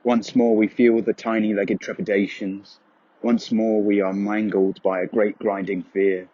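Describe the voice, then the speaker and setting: A man giving a solemn, brooding, measured dramatic narration of dark poetic prose with a husky voice. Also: on the low side, little pitch movement, no room sound, lo-fi sound. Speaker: voice-over narrator.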